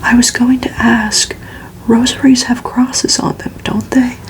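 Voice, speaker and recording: A woman's voice: on the high side, level tone, unhurried, natural voice. Woman whispering as a shy, curious boy interviewer. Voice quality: breathy whisper. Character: shy, nervous, curious young male interviewer. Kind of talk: whispered ASMR storybook reading.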